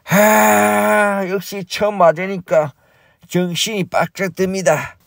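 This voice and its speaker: A man's voice: high-pitched, dry recording, clean studio sound. A man hosting a comic stock vlog, groaning and complaining in an exaggerated way. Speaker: stock investing YouTuber.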